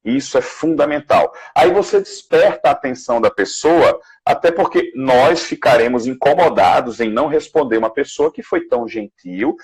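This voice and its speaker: A man with a Brazilian Portuguese accent, a guest sales manager on a live video call, giving animated career advice and acting out sample messages. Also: moderate pace, few pauses, husky, rough recording. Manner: animated, acts out sample messages with rising pitch. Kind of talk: live online career chat.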